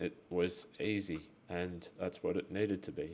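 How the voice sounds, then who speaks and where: Here a man speaks with a very deep, low pitch. His pace is moderate and his intonation fairly even. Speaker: runner vlogger. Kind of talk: casual vlog chat. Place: home room. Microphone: lapel.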